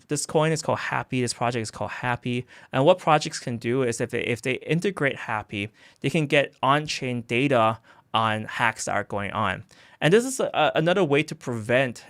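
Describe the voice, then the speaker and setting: A man's voice: medium pitch, fairly bright tone, no room sound, studio quality. A man hosting a crypto news show, talking casually and rambling with lots of fillers and "right?" tags. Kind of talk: casual unscripted commentary.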